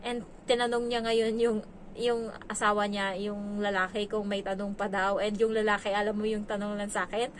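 A woman's voice: mid-range voice, little pitch movement, moderate pace, slight background noise. A woman from the Philippines who works as a domestic helper, telling stories in a chatty vlog and acting out what people said. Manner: chatty, acts out quoted dialogue. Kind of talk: casual storytelling vlog.

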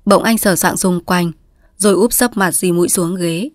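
A woman storyteller reading a literary short story aloud in a steady, even manner. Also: fairly low pitch, normal speed, dry recording, studio quality.

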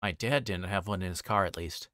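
A man's voice: sits low, fairly quick, pushed and bright, dry recording, studio quality. A man livestreaming a visual novel, reading its narration aloud and sometimes stumbling and re-reading. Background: music behind the voice.

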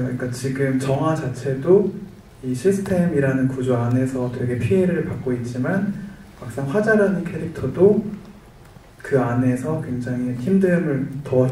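A young man from Jeju, a film director, answering press questions in a measured, explanatory way with frequent hesitations. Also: mid-range voice, dark tone, slight background noise. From Jeju, Korea. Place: large event hall stage, seated. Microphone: handheld mic. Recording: echoey hall, distant mic.

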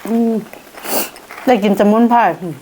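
A woman with a northeastern Thai Isan accent chatting casually as an eating vlog host, with savoring hums between her phrases. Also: dark tone. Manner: chatty, punctuates talk with savoring hums and drawn-out polite particles. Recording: noisy recording with dish clatter.

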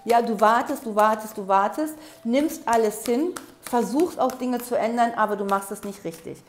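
A woman reads tarot cards for her viewers from a table set with candles, her slightly high voice still hoarse from a recent cold. She talks in a coaxing, repetitive way and addresses the listener directly. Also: normal speed, slight background noise. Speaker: tarot reader. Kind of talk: interactive tarot reading to camera.

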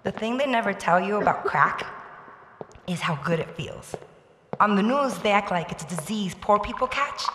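An actress playing a weary woman addict confessing frankly and deliberately in a radio drama monologue. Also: medium pitch, expressive, fairly bright tone, lightly acted. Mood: bitter, candid. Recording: echoey hall with background noise.

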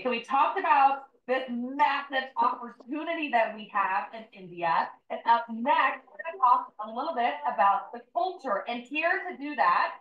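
A woman's voice: high-pitched, roomy sound, recorded from a distance, lo-fi sound. A woman hosting a company training webinar, upbeat and chatty as she talks to her audience. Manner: upbeat, chatty, addresses audience as you guys. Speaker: sales executive hosting a training.

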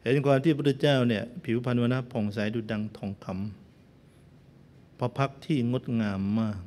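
Monk guy giving a sermon, tells old stories, cracks jokes at the crowd, normal pitch, big hall echo. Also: normal speed, darkish tone. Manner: playful, joking asides to listeners. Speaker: Buddhist monk. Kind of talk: sermon with storytelling. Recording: long hall reverb.

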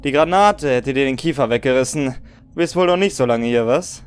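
An actor playing a brisk, reassuring soldier in an audio drama, talking in a rough, comradely way. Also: male voice, medium pitch, natural voice.

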